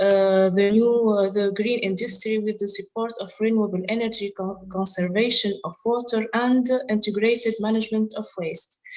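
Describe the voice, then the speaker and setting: Through noticeable background noise, a woman with a fairly high pitch talks at a moderate pace in a monotone, flat way, hardly pausing at all. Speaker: environmental expert and consultant. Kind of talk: panel presentation. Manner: halting, with frequent fillers.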